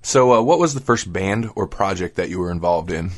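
A man's voice: sits low, lively intonation, fairly quick. A man hosting a radio interview in a casual, informal, laid-back way. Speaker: radio show host.

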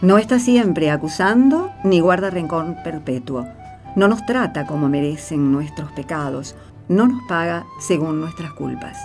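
A woman's voice: deep voice, expressive, measured pace, darkish tone, soft background music. A woman with an Argentine accent speaking in a conversational radio drama style. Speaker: cast member of a religious radio show.

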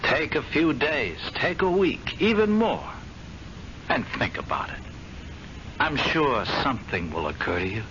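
A gloating blackmailer, lively. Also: male voice, medium pitch, a little slow. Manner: silky, gloating, amused. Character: smooth, sneering male gambling-club blackmailer. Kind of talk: 1970s radio drama acting. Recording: lo-fi vintage radio with clear hiss.

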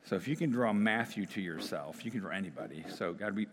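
A man's voice: fairly low pitch, lively intonation, fast talker, a little hiss or hum. A middle-aged male pastor, slightly losing his voice, preaching and praying in a conversational way with fillers and restarts. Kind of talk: sermon with prayer. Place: church sanctuary. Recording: long reverb of a church hall.

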